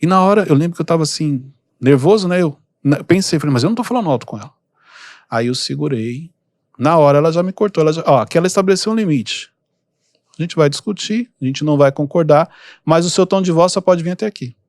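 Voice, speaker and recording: A calm man hosting a podcast, giving relaxed advice with lots of everyday examples. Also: a little high, no room sound, studio quality. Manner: calm, unhurried, gives examples. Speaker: podcast host and mentor. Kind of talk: casual advice talk.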